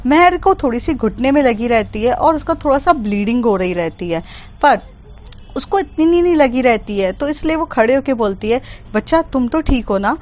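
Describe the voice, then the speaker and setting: A woman casually retelling a romance story in a quick, chatty way, mixing in English words. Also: fairly high pitch, animated, dull audio.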